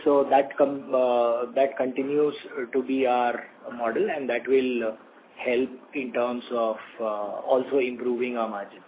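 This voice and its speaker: A man with an Indian accent giving halting, explanatory answers as a company executive on an earnings call. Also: mid-range voice, little pitch movement. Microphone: conference call phone line. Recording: narrow phone line with faint noise.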